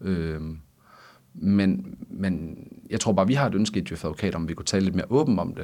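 With very deep, low pitch and a dark, mellow tone, a man speaks at a fairly slow pace with ordinary pitch variation and long, frequent pauses. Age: 30s. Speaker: lawyer and union association chair. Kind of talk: interview. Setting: studio. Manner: halting, many repetitions and fillers.

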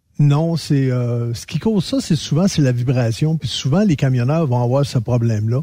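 A man's fairly high, somewhat breathy voice with a dark, mellow tone and lively intonation, at a fairly slow pace. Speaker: radio columnist, former trucker. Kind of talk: casual chat.

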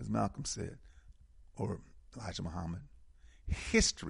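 Vocal fry runs through this voice at a moderate pace. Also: man. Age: 70s. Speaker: radio host. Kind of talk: live radio talk show. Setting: phone-in radio show.

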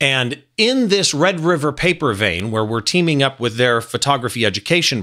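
At a moderate pace, a man with a fairly high pitch and a bright, sharp tone shows vocal fry and very wide pitch swings, on a very clean recording with a silent background. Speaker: podcast host. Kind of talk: interview.

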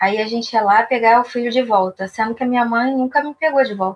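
This woman talks in a high pitch with ordinary pitch variation. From Paraíba, northeast Brazil. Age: 40s. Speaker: author recounting her adoption story. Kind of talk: personal testimony interview.

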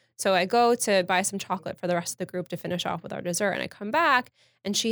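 Very fast speech with vocal fry and an American accent, in a very clean recording over a silent background. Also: woman. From New York City, Queens. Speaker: small business development director and food tour guide. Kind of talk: interview conversation.

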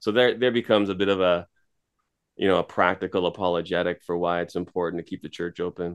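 A man speaks very fast with a Canadian accent. His pitch is very deep and low, his intonation fairly even. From Toronto, Canada. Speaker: pastor. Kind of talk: casual chat.

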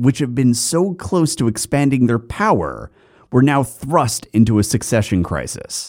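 Vocal fry runs through this man's medium-pitched voice, which has lively intonation. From North Wales. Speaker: history podcast host. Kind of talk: scripted narration.

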